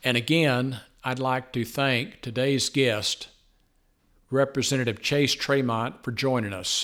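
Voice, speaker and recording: This man has a medium-pitched voice and fairly even intonation at a fairly slow pace. The recording is very clean, with a silent background. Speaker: radio host. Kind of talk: news reading and scripted intro.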